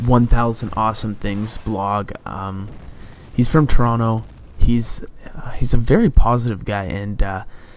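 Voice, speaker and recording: Against noticeable background noise, a man speaks in a relaxed tone at medium pitch and a fairly slow pace, with fairly even intonation and big swings in loudness. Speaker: gaming youtuber. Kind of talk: gameplay commentary. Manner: hesitant, many fillers.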